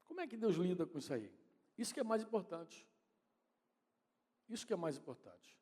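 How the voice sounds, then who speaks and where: Very animated and brisk, a Brazilian Portuguese-accented pastor delivers a conversational sermon, regularly addressing his wife and the congregation. His high-sitting voice is warm and husky, and the church hall leaves a long reverb tail.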